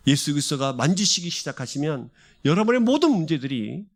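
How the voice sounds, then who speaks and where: Impassioned high-voiced preacher man. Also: big pitch swings, brisk. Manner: impassioned, repeats and builds phrases. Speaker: pastor. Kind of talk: sermon. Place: church service.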